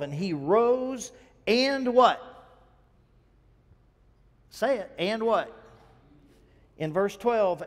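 Male pastor, animated storyteller in the pulpit, higher voice, long reverb from the sanctuary. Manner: animated storytelling, calls on the congregation to respond. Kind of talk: sermon.

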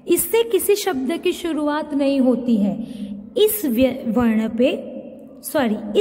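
Slow, high-voiced woman teaching. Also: dark tone, long reverb tail. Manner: slow, repeats questions and answers them herself; mixes English words into her talk. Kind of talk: recorded classroom lesson.

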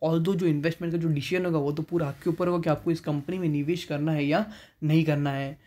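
A man's voice: on the high side, steady tone, fast talker, a little mellow. A man hosting a stock market channel, giving a voice-over analysis of share figures and mixing English terms into Hindi, at times correcting himself mid-sentence.

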